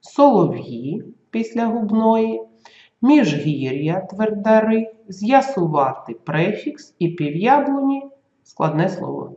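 A teacher giving a school grammar lesson, dictating slowly and carefully and sounding out letters and example words. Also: medium pitch, sing-song, dark tone, echoey room, highs cut off.

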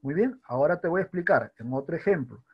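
A man's voice: a little high, lively intonation, husky, muffled recording. A male teacher giving a recorded grammar lesson, often checking in with rhetorical questions and sounding out words syllable by syllable. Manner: spells out words slowly by syllable.

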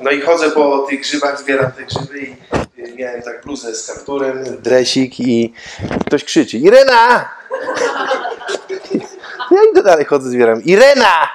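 A man's voice: mid-range voice, normal speed, noisy background. A man from the congregation telling a funny anecdote to a church gathering, acting out both sides of a conversation. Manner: lively storyteller, acting out both sides of a talk. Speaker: congregation member.

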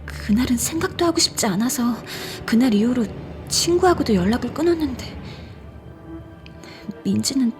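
An actress playing a frightened young woman who recounts a ghost story in an intimate, suspenseful audio drama style, conversational and at times hushed. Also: on the high side, expressive, normal speed. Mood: hushed, uneasy. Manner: conversational, suspenseful, drops toward hushed whispers. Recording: background music under the voice.

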